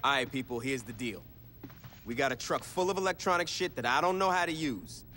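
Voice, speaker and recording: A man plays a gang leader in a game cutscene, blunt and sarcastic, swearing freely as he gives orders. His voice sits at an ordinary male pitch, with faint game noise behind. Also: fairly quick, bright, forceful tone, natural voice. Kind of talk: video game cutscene acting.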